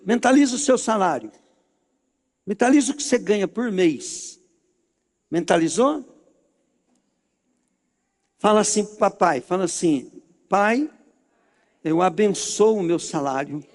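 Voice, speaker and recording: Brazilian pastor guy, high voice, slow drawn-out prayer lines for the church to repeat. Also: very animated, long reverb tail. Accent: Brazilian Portuguese. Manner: leads the congregation in repeat-after-me prayer phrases. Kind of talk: leading congregational prayer.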